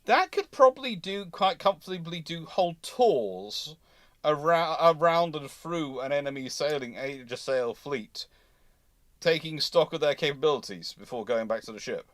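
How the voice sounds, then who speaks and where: A man's voice: on the high side, expressive, normal speed, a bit bright, dry recording, clean studio sound. A man hosting an informal live question-and-answer session, conversational and opinionated, repeating phrases for emphasis. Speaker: host of naval history live stream.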